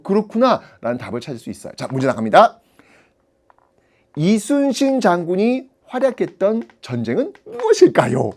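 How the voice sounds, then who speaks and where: A man's voice: a little high, darkish tone. A man teaching history in an audio-only exam prep lecture, talking to students with rhetorical questions and frequent laughs.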